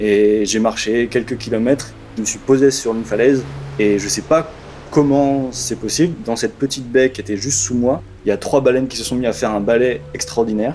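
Through noticeable background noise, a man talks at a fairly quick pace with ordinary pitch variation. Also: medium pitch for a man. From Brittany, France. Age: 20s. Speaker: adventurer. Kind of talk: interview.

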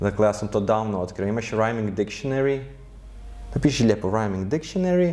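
With a fairly low pitch and a fairly quick pace, a man talks in an ordinary speaking voice. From Croatia, Zagorje. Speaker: singer-songwriter and English teacher. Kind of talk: casual chat. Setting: studio.

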